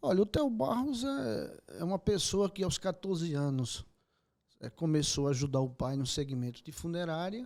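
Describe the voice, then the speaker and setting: On a very clean recording with a silent background, a man speaks in a dark, mellow tone. His pace is fairly slow and his intonation lively. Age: 60s. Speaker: funeral home owner. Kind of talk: interview. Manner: halting.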